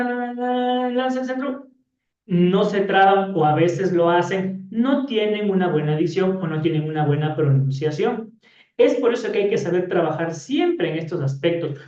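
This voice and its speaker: A man's voice: fairly high pitch, warm tone. Man teaching in an echoey classroom. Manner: explanatory, frequent "¿sí?" and "¿ya?" tags. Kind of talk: classroom lecture. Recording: echoey room, distant dull mic.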